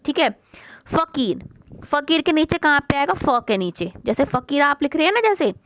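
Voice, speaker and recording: A woman teaching a worksheet lesson to young pupils. She asks a question, answers it herself, repeats the words slowly and calls the children "beta". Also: high-pitched, very animated, fairly bright tone, a little hiss or hum. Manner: mixes English words like question, first into her talk.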